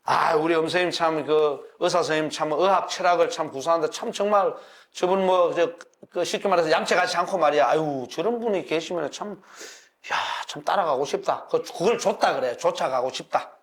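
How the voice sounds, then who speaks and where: A man in his sixties giving a classroom lecture as a university professor, folksy and animated, checking in with his listeners and chuckling as he explains. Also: a little high, fairly quick.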